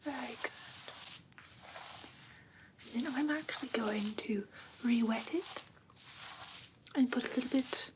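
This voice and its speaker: A woman playing a gentle vampire teacher, giving a patient lesson in a soft, breathy ASMR whisper. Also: a little high, background noise. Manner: soft, patient, unhurried instructing. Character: female vampire teacher, gentle, instructing a human care class.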